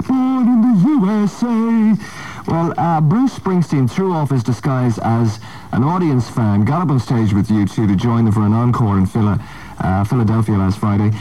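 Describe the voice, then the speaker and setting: A man's voice: medium pitch, dark tone, poor audio. An Irish man presenting on radio with casual chat and wry, rambling asides.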